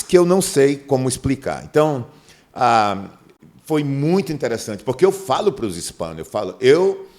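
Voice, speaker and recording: A middle-aged man from Manaus, Brazil, a pastor in a podcast interview who tells stories and acts out the dialogue. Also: medium pitch. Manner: animated storyteller, acts out dialogue in a raised voice.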